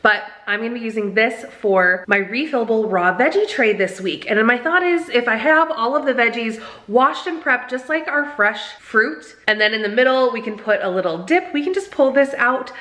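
A woman's voice: on the high side, expressive, moderate pace, hardly any pauses, pushed and bright. A woman in her thirties narrating a casual home cooking vlog as she explains her meal prep. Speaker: lifestyle vlogger and home cook. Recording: music behind the voice. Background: background music.

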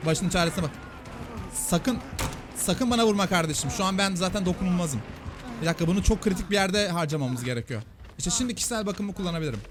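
A man with a high voice commenting on a game at a rapid clip. He fires off short urgings to teammates again and again, and the recording carries clear game noise underneath. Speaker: gaming streamer. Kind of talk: excited Let's Play commentary. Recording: noisy game audio underneath.

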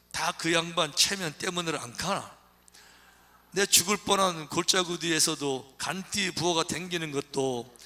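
A man voicing a rough-spoken man with a Gyeongsang dialect, reciting a psalm bluntly and emphatically. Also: fairly high pitch, pushed and bright.

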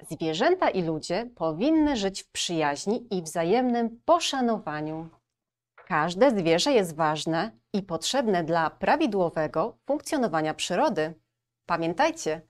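A woman librarian reading a storybook aloud and speaking gently and directly to young children. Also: on the low side.

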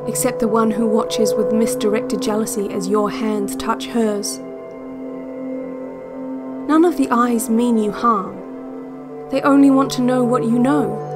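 A woman playing a calm, controlling relaxation-tape instructor in a scripted audio fiction, speaking in a measured, deadpan, instructive way. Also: a little high, natural voice. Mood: calm, probing. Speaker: narrator of relaxation cassettes.

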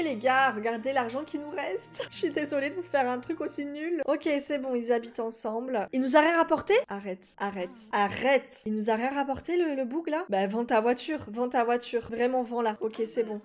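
A woman in her twenties doing casual, animated let's play commentary, exclaiming and laughing at the game. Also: a little high. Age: 20s.

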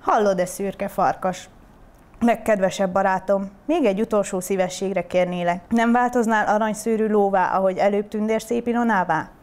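A woman's voice: medium pitch, darkish tone, lightly acted. A woman reading a fairy tale aloud, voicing a polite young prince asking a favour. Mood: pleading.

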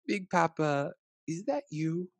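A worried little storybook grandson, acted by a man, asks plaintive, curious questions. The voice is lifted higher, soft and a little husky. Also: expressive, slow, no room sound.

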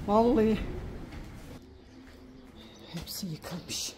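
A woman's voice: extremely slow, background noise. Chatty woman cooing at her chickens. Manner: chatty, coos affectionately at her chickens in a higher voice. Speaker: village life vlogger. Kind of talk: casual vlog chat to viewers. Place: outdoors in a farmyard and chicken coop.

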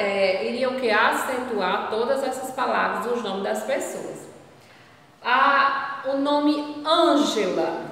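Slow teacher drawing out every syllable. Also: female voice, a little high, a bit bright. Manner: slow, drawn-out, stressing each syllable; asks the class questions and answers them herself. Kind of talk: recorded grammar lesson for children. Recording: roomy echo, distant from the mic.

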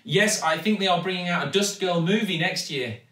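A man's voice: high-pitched, moderate pace, sharp tone, voice pushed up. A man voicing a small, flustered young girl who speaks hesitantly and awkwardly. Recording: echoey, distant mic.

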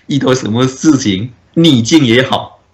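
A man, a Buddhist monk, giving a dharma talk as a story, with drawn-out filler particles and frequent chuckles. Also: mid-range voice.

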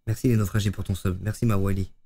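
Excitable man streaming a game, low voice. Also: quick pace. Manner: excitable, swears often, talks to chat. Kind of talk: live gameplay commentary.

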